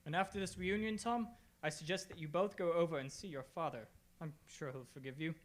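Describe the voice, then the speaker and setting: A woman playing a brisk, confident gentleman detective who talks formally in a radio mystery play. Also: deep voice, close to an everyday voice. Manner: formal, assured, explanatory. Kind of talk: old-time radio mystery theatre acting.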